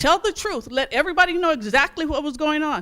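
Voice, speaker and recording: A raised, projected voice with a bright, sharp, animated tone at a moderate pace, in a very clean recording with a silent background. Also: woman. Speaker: public commenter at city forum. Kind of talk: public comment at town meeting. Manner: loud.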